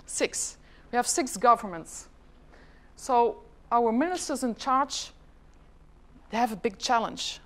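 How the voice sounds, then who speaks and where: A woman's voice: a little high, animated, slow pace. A middle-aged Flemish woman whose first language is Dutch, giving a chatty conference presentation and asking the audience questions. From Flanders, Belgium. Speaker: government department head giving a presentation.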